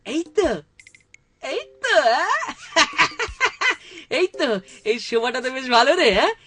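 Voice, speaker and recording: A high, sing-song cartoon boy who brags, giggles and swoops wildly up and down, as a woman puts him on. He is a mischievous prankster full of big talk, and bright music plays clearly behind him. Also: heavily acted. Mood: gleeful. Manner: bragging, giggly, excitable. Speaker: cartoon character. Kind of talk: cartoon voice acting. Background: background music.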